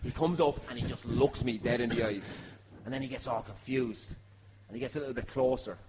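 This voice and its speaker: A man's voice: medium pitch, brisk. An Irish man trading boisterous, jokey banter and telling stories in colourful slang. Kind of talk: boisterous live group banter and storytelling. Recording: noisy crowd around the microphone. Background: lively crowd.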